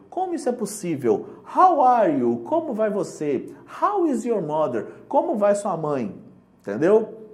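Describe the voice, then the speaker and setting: Brazilian-accented teacher, casual prep lesson, jokey and patient, pitch swinging widely. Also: darkish tone. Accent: Brazilian Portuguese. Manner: chatty, joking, explains slowly with examples. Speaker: English teacher for exam prep.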